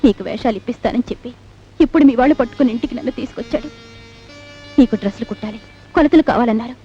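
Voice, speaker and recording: An actress playing a young dancer from Rajahmundry who was wrongly jailed, speaking in an impassioned, tearful way. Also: female voice, fairly high pitch, very fast, natural voice. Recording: dull old film soundtrack with music.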